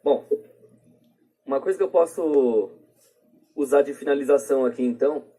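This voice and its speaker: A man's voice: mid-range voice, moderate pace, mellow, slightly rough, rough recording. A Brazilian man talking casually as a podcast guest, hesitant and peppering his sentences with tag words. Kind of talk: casual discussion.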